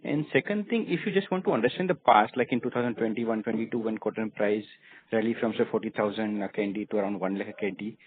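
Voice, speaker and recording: A man's voice: fairly low pitch, quick pace. An Indian man, an analyst, asking questions in a conversational way on an earnings call. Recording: narrow radio-like phone line.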